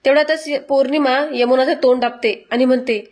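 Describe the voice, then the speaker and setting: High-voiced woman narrating a serial recap. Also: steady tone, brisk, darkish tone. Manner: sympathetic storytelling. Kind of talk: dramatic story recap voice-over.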